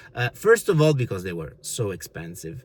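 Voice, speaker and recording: A man's somewhat breathy voice. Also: very clean recording, silent background. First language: not English. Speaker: car vlogger. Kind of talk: casual vlog review. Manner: halting, many fillers.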